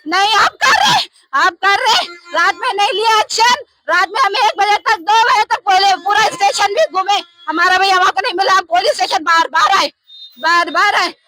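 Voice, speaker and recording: A grieving woman, crying and shouting as she pleads in a street interview. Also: very high voice, moderate pace, noisy background. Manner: shouting, pleading, repeating herself. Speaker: victim's sister.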